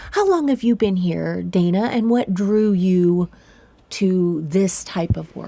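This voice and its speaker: A soft-spoken woman talks at a very slow pace. Her pitch is medium, with ordinary pitch variation. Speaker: radio host. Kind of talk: interview. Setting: planetarium dome.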